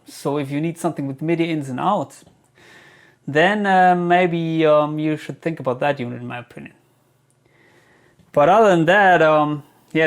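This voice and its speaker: Hesitant, higher-voiced man reviewing guitar gear. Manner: hesitant, halting, thinking aloud. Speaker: guitar gear reviewer answering viewer questions. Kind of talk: casual product Q&A talk.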